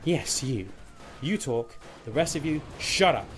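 A man's voice: mid-range voice, lively intonation, unhurried, natural voice. A man playing a curt, strained lance corporal in an audio drama, terse and commanding. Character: curt, strained male soldier, sole survivor of his squad. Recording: clear background noise, amateur audio drama.

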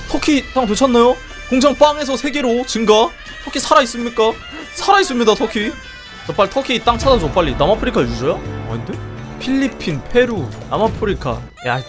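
High-pitched young guy yelling over a strategy game stream, voice bouncing all over, bit of music under it. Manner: animated, exclaiming, laughing often, swearing. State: strained voice from singing. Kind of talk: excited live game commentary.

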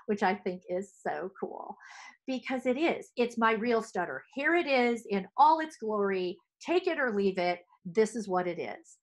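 A middle-aged woman, a speech therapist, presenting to fellow clinicians from her office, talking with lively hand gestures into a headset mic. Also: medium pitch. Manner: animated, gesturing with both hands. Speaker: speech-language pathologist. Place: home office.

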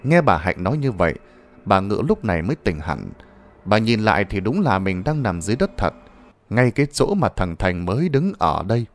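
A man's voice: fairly low pitch, big pitch swings, moderate pace. A man narrating a ghost story in a dramatic, suspenseful manner.

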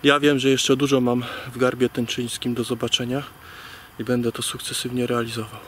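A man in his forties hiking through the woods and talking into a camera on a stick, in an unhurried, plain way. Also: medium pitch, flat delivery, a bit bright, slight background noise. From Poland. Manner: unhurried, plain, talks while walking. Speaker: hiking vlogger. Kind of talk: casual spoken walk-through narration. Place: leafless forest outdoors. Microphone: action camera on a selfie stick.

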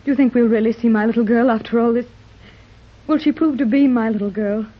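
A woman plays a tremulous, anxious mother in an old radio serial. Her voice is breathy and emotional at a mid pitch. The recording has a dull, muffled sound. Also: steady tone, fast talker, natural voice. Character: anxious wealthy mother searching for her lost daughter. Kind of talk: 1930s radio drama acting.

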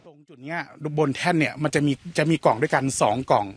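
A man's voice: fairly high pitch, husky. A male village headman describing in an interview how the boxes were found, repeating words as he goes. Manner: quick, repeats words as he recounts. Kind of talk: interview account.

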